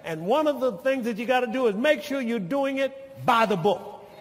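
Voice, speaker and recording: An older man preaching a sermon as pastor, teaching slowly and deliberately, then building to shouted lines and calls for amen. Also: very high voice, lively intonation. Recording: long hall reverb of a church.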